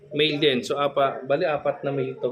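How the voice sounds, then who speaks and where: Noticeable background noise sits under a fairly quick pace and fairly even intonation. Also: man. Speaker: dog breeder. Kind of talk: sales pitch. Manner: halting.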